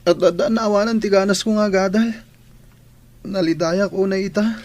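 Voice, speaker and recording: High-voiced, grieving schoolboy acted by a man. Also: fairly even intonation, moderate pace, a little mellow, natural voice. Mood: dejected. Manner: plaintive, emotional. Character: grieving, discouraged orphaned schoolboy. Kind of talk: Ilocano radio-style drama acting.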